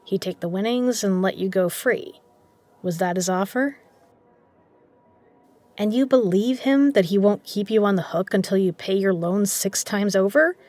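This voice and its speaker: Casting: actress for a shrewd underground casino boss and poker legend, medium-pitched, measured and persuasive, for an audio drama. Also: female voice, a little mellow, lightly acted. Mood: probing, knowing. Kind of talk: scripted audio drama dialogue.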